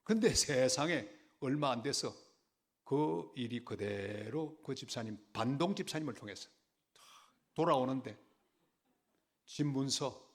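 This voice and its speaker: An older man delivers a sermon as a lively story. His pitch and volume jump sharply for emphasis, then drop back to a plain speaking tone. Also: a little slow, long pauses. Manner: animated storytelling, dramatic rises in pitch and volume. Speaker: pastor.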